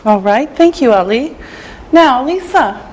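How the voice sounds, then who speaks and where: A middle-aged woman from Canada teaching English in a scripted lesson, pronouncing every word slowly and carefully. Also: high-pitched, lively intonation, slight background noise. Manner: slow, carefully enunciated.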